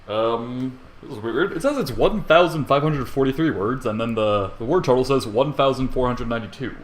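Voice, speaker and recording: Young male amateur story reader, very lively pitch swings, sweary and self-mocking, casual bedroom recording with faint background noise. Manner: irreverent, sweary, self-deprecating. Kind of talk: casual fan fiction reading with rambling asides. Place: bedroom at home.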